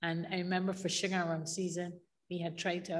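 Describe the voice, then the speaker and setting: Flat, monotone intonation marks this somewhat breathy voice. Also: woman. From Barbados. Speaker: project consultant. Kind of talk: meeting chairing. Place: hall. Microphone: podium.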